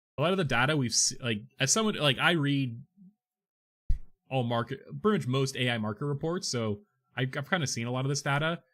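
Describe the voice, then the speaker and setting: A man's fairly high voice, lively in intonation, at a fairly quick pace broken by long, frequent pauses, on a very clean recording with a silent background. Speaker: tech news streamer. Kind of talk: livestream commentary reading a report. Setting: livestream. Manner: fast.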